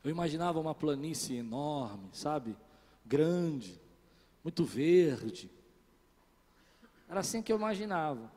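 A man's voice: on the high side, very animated, measured pace, pauses often, mellow. A man preaching a sermon as a pastor, telling a story and speaking straight to his listeners, rising to emphatic peaks. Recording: long reverb of a large hall.

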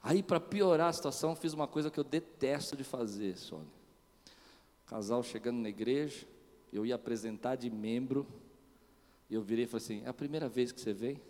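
A man preaching a sermon as pastor, moving from quiet storytelling to loud, shouted preaching. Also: medium pitch, fairly quick, big-room sound. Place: church.

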